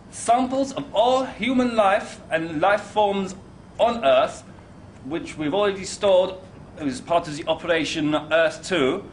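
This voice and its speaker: A man's voice: high-pitched, slight background noise. An actor playing a formal male presenter unveiling a space lifeboat in a 1950s-style B movie, announcing in a stately way. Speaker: presenter introducing the government man.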